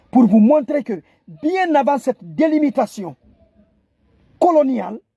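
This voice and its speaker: Speaking in a Guinean accent, the voice moves at a very slow pace. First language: Kissi (speaking French). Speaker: community spokesman. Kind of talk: public address to camera. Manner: halting with frequent repetitions; impassioned.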